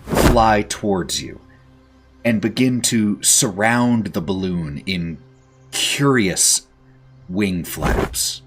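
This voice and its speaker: A man with a low voice narrates a tabletop fantasy game as its game master. He takes his time, painting scenes in measured, descriptive phrases. Faint music plays behind him.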